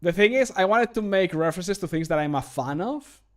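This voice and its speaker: A man in his thirties with a slightly high voice talks casually to a livestream from a room at home. He is chatty and jokey, easily amused by himself, and keeps things animated. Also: brisk. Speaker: streamer and hobby game modder recording voice lines. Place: small home room, indoors.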